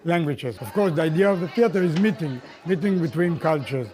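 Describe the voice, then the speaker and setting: Man answering with halting, repeated words. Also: fairly high pitch, expressive, warm tone, a faint crowd. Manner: halting, repeats words while searching for them. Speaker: theater director interviewed. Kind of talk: interview answers.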